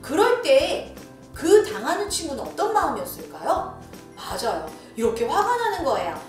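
Lively, high-pitched woman teacher for children. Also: normal speed. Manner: animated, acts out quoted voices. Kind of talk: lesson video for young children. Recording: echoey room from far off with music.

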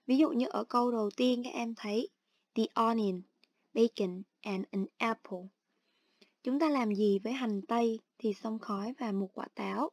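A woman teacher calmly explaining an online English exercise step by step. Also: fairly high pitch, normal speed, dry recording, studio quality. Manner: steady instructional, explains each step. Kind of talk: online lesson narration.

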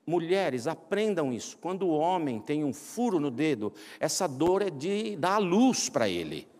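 A man's voice: fairly high pitch, measured pace. A middle-aged man with a Brazilian accent preaching a humorous sermon, telling personal stories and acting out the voices of the people in them. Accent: Brazilian Portuguese. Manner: animated, acts out quoted voices, self-mocking jokes. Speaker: pastor. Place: large church sanctuary. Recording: church hall reverb.

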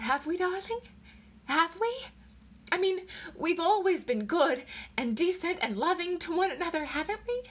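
A woman voicing an anxious, distraught wife in a story, shrill and wailing as she pleads. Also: gravelly, a bit bright, husky, heavily acted.

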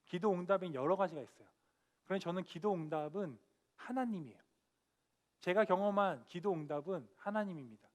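High-voiced young man preaching a sermon. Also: a little fast. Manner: earnest, emphatic, dropping soft then rising on key points. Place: church sanctuary.

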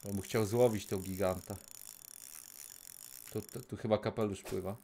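A man in his thirties streaming a game from a small room on a headset mic, talking casually, cursing and yelling at the game, sometimes dropping to a whisper. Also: lowish voice, normal speed, a little hiss or hum. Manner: excitable, swears, yells at the game, then drops to a whisper. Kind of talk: casual live gameplay commentary.

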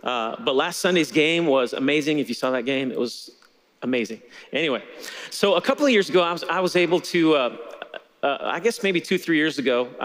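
A middle-aged man preaching a sermon from a church stage on a headset mic, telling stories in a relaxed conversational way. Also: mid-range voice, in a large hall. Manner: conversational storytelling with laughter. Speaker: pastor.

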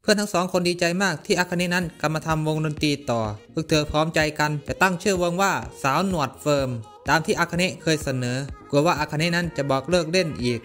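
A man casually recapping an anime's plot, with brisk, chatty, slangy asides. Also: a little high, a bit bright.

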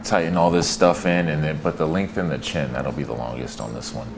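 Deep-voiced American man, laid-back barber. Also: steady tone, brisk. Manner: laid-back, slangy, often says "man" and "dude". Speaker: barber hosting a barbershop video. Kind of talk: casual chat while cutting hair. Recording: clear shop noise with buzzing electric clippers. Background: electric shaver buzz.

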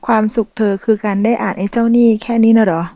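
A woman's voice: a little high, steady tone, quick pace, warm tone, no echo, natural voice. A woman voicing a bossy, domineering young man who speaks in short commanding questions. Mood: curt bossy.

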